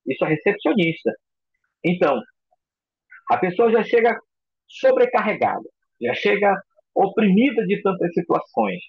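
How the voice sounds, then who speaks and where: A man teaching a recorded psychoanalysis lecture in an expressive way, acting out example voices. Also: high voice, normal speed, long pauses, husky, no echo, muffled recording. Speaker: psychoanalysis instructor.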